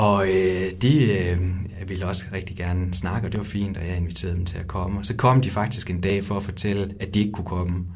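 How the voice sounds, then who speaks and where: A man with a very deep, low pitch talks at a fairly quick pace with fairly even intonation. Noticeable background noise and audible room echo surround him. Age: 30s. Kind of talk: personal faith testimony interview. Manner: hesitant, many fillers.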